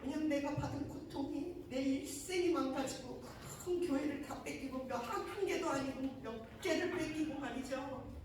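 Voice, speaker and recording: A woman's voice: high-pitched, normal speed, few pauses, background noise. A middle-aged woman preacher giving an emotional sermon testimony, telling her story and acting out the dialogues in it. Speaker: preacher and mission leader. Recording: echoey hall from far off.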